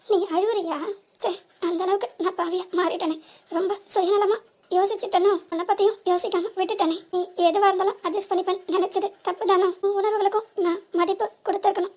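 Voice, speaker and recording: A very high, piping voice gives us a tender older village mother, as a woman voices her in a cartoon comedy. She speaks with a southern Tamil Nadu accent and keeps pleading and blaming herself. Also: darkish tone. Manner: pleading, self-reproaching.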